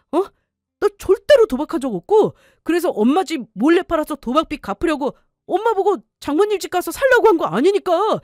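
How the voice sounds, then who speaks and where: A woman's voice: very high voice, a little mellow, no echo, clean studio sound, pitched above the performer's own voice. A woman voicing a scheming, threatening middle-aged husband in an audio story. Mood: defensive. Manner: bullying, threatening, defensive.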